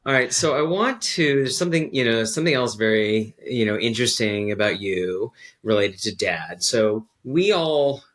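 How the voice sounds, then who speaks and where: Low-voiced male podcast host. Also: moderate pace, few pauses, a bit bright. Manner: encouraging, loosely phrased questions. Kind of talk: casual interview.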